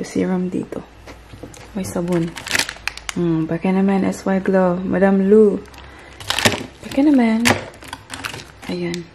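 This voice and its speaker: Chatty mom vlogger, noisy background. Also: female voice, mid-range voice. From Philippines. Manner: chatty, addresses viewers as "guys", laughs often. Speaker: family vlogger. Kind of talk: casual family vlog chat. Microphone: handheld vlogging camera or phone.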